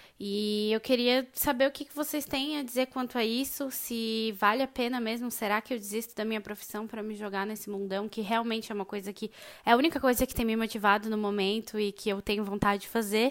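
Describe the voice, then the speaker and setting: A woman speaks fairly quickly in an ordinary speaking voice, fairly high in pitch with fairly even intonation and hardly any pauses. The recording is very clean, with a silent background. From Florianópolis, southern Brazil. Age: 20s. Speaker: architect, listener sending voice message. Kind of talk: recorded voice message.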